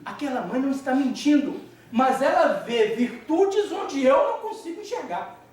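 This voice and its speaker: A man giving a religious lecture, animated, constantly questioning the audience in a hall. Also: very high voice, normal speed. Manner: animated, keeps quizzing the audience. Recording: echoey hall, speaker far from mic.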